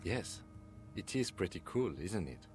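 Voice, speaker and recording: A calm precise lieutenant. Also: male voice, low-pitched, full character voice. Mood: composed. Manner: measured and precise. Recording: faint music under the voice.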